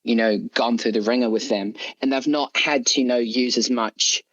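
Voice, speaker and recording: A man's voice: mid-range voice, fairly even intonation, moderate pace, a bit bright, no echo, dull audio. A man speaking as an author being interviewed, chatting casually in a rambling, hedging way. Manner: rambling, hedging with frequent "you know" and "like". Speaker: interview guest, horror story author.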